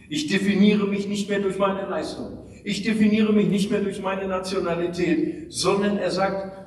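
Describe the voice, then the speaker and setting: A man preaching a sermon with emphasis, calling out amen and hallelujah between points and pausing often. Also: sits high. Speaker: pastor. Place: church hall. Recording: distant mic in a reverberant hall.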